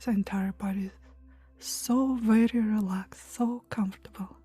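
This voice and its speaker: A woman leading a guided meditation in a soft, breathy, hushed and soothing voice, pausing between short phrases. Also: mid-range voice, steady tone, soft background music. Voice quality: soft, breathy, near-whisper at times. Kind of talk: guided meditation, hypnotic relaxation countdown.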